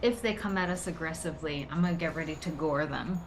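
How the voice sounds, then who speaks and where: Female tabletop gamer: casual action-describing talk, lowish pitch, faint noise. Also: fast talker, low-quality recording. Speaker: tabletop game player. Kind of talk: casual role-playing game talk.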